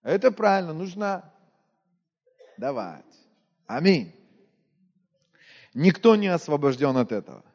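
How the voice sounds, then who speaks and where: A preacher from Moldova with a high voice for a man, talking through his sermon like a conversation. He quizzes the congregation and often sinks to a near-murmur. His words ring out with a long hall reverb. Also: big pitch swings, measured pace, long pauses, highs cut off. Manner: conversational, asks the congregation questions, often drops to a quiet voice.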